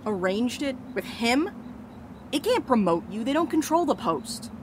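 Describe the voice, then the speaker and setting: A woman's voice: on the high side, big pitch swings, unhurried, noisy background. A woman playing a blunt, fatalistic comrade in an audio drama. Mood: angry, accusing. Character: blunt, fatalistic comrade resigned to a grim destiny.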